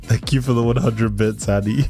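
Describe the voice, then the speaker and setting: This is a man streaming a life simulation game, keeping the chat casual and thanking his viewers courteously as music plays underneath. His mid-range voice carries vocal fry, fairly even intonation, and a moderate pace.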